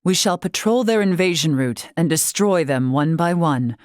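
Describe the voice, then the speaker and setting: Woman as low-voiced, stately tribal leader. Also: lively intonation, a little mellow, dry recording, clean studio sound, close to an everyday voice. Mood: resolute. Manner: formal, archaic, measured, stately diction. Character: dignified older woman, wise tribal leader and warrior. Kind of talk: scripted video game voice acting.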